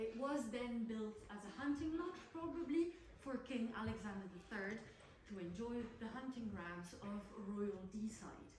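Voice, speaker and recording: With a slight French accent, a woman speaks fairly slowly at a fairly high pitch, amid audible room echo and noticeable background noise. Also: lively intonation. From France. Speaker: tour guide. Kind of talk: guided tour talk.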